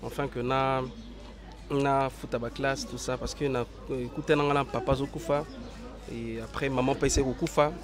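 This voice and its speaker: A young man from Congo with a hoarse voice from a cold, answering interview questions outdoors in a halting, filler-heavy way. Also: mid-range voice, fairly even intonation. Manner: hesitant, many fillers and restarts. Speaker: interview guest, actor. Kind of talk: casual interview, mixing French and Lingala.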